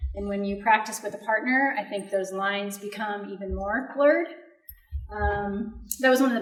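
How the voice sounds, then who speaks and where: Amid noticeable background noise and audible room echo, a woman with an American accent speaks at a medium pitch with fairly even intonation. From US Midwest. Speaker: architect. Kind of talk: Q&A after lecture. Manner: fast.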